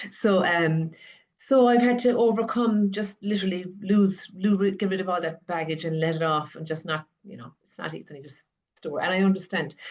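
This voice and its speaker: Her loudness swinging widely, a woman talks at a medium pitch and a moderate pace with ordinary pitch variation. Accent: Irish. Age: 60s. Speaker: choral conductor and music teacher. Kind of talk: panel discussion. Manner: halting, many repetitions and restarts.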